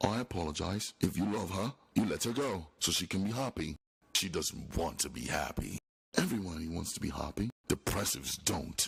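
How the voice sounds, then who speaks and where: Putting on a character voice, a man speaks at a very deep, low pitch with lively intonation, in a dry, close sound with no echo. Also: moderate pace. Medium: read story. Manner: blunt, sardonic.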